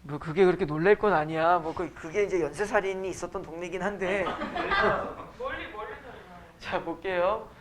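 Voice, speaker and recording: A man teaching a high school Korean class, lecturing casually with joking asides to his students. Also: steady tone, normal speed, background noise. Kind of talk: classroom lecture with teasing banter. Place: academy classroom.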